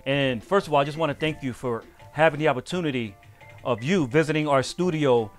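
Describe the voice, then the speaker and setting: A male host leads a relaxed studio interview in an upbeat, affirming way. His voice sits a little high. Faint music hums behind him. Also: a little fast. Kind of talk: casual interview.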